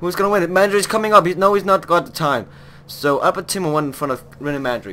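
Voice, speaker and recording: Amid noticeable background noise, a man talks at a very fast pace in an animated tone. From Denmark. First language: Danish. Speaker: video game let's play YouTuber. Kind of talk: gameplay commentary. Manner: animated, excitable commentary.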